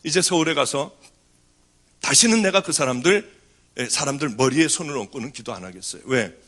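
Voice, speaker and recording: Animated Korean pastor telling a testimony. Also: male voice, medium pitch, fairly quick. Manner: animated storytelling, voice rising and falling. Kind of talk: sermon testimony.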